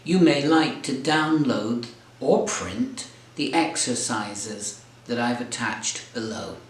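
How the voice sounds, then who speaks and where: Slow, deliberate male English tutor. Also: medium pitch. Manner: clear, deliberate, encouraging. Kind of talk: slow, careful teaching explanation. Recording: roomy echo.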